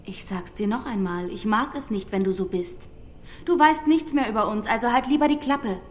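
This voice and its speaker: An actress dubbing a blunt, sharp-tongued young woman who talks in a cutting, provocative way and flares up quickly. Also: on the high side, close to an everyday voice. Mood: angry. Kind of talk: dubbed series dialogue.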